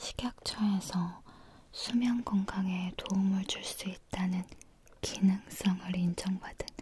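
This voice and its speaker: A woman whispers at a very slow pace. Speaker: ASMR creator, presenter. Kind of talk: soft ASMR sponsored product talk. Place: home room.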